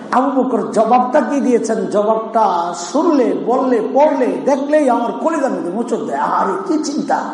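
A man preaching a sermon, sighing with feeling and chanting verses slowly. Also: very high voice, expressive, a little mellow. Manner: emotional, sighing exclamations, sings verses slowly. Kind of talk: Bengali sermon with chanted Quranic recitation. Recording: echoey hall, faint ambience.

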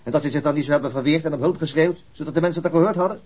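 An actor playing a weary, brusque and dogged police detective, talking conversationally in a radio crime drama. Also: male voice, a little high, rapid-fire, darkish tone, husky. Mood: insistent. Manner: brusque, world-weary, argumentative.

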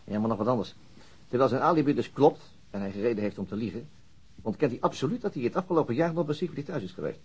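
A man's voice: medium pitch, lively intonation, fast, a little mellow, breathy edge, poor audio. An actor playing a methodical, slightly weary police detective in a radio drama, hesitating as he thinks aloud. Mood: explaining, pondering. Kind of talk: naturalistic radio drama acting.

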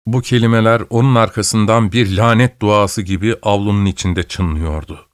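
A man narrates a story in a measured, steady reading voice. His pitch sits on the low side, and the recording is close and dry with no room sound. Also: clean tone, no room sound.

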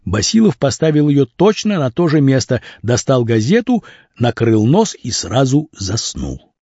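Male audiobook narrator, animated, husky, dull dry recording. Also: mid-range voice, unhurried, dry recording. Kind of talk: expressive storybook reading.

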